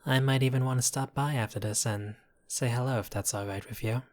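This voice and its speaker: A man's voice: medium pitch, fairly even intonation, a little mellow, lightly acted. A man playing an apologetic, charming mafia boss in an audio roleplay, courteous and wry with a flirtatious streak. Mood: flirtatious, admiring. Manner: unhurried, flirtatious, wry, addressing listener as doll. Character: apologetic, charming mobster, exasperated yet courteous. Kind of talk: intimate audio roleplay acting.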